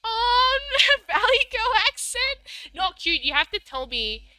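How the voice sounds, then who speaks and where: Young aussie girl streaming, super bouncy high voice, rambly and giggly. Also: big pitch swings, takes it slowly, pushed and bright, no room sound. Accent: Australian. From Australia. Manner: bubbly, giggly, rambling with many fillers. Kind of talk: casual live-stream chat, reading chat messages.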